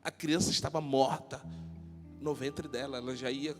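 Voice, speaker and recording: A man, a pastor, preaching a sermon full of personal stories, moving between shouted passages and quiet talk. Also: medium pitch, fairly even intonation, normal speed. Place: church. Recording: long hall reverb with soft music.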